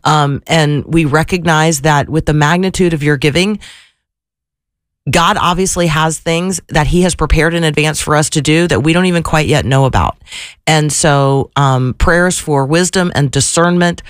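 Woman, radio host, slightly gravelly voice, chatty, effusive, fillers and restarts, dry studio mic. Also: low voice, normal speed, dry recording. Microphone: studio microphone.

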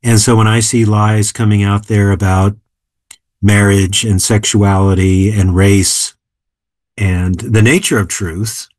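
A man in his seventies, an author and philosopher, explaining ideas in a measured, emphatic way during an interview. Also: lowish voice, little pitch movement, dry recording. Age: 70s. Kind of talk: interview conversation.

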